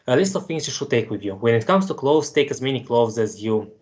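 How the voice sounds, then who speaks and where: A man's voice: medium pitch, lively intonation, a little fast, darkish tone. A man in his twenties from Moldova, steadily reading a prepared presentation with practical tips. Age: 20s. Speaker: student presenter. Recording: dull lo-fi sound.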